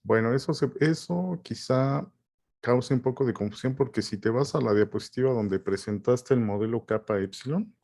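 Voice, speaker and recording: A man's voice: medium pitch, steady tone, warm tone. A man with a Mexican Spanish accent, a professor questioning a student over a video call and closing a seminar. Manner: probing, measured. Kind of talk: academic questioning and closing remarks.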